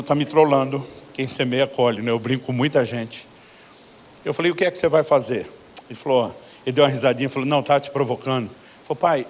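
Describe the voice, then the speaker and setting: A middle-aged man with a Brazilian Portuguese accent, a pastor preaching a sermon who tells stories and acts out both sides of the conversations. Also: mid-range voice. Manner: animated storyteller acting out both sides of conversations. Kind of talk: sermon storytelling with quoted dialogue.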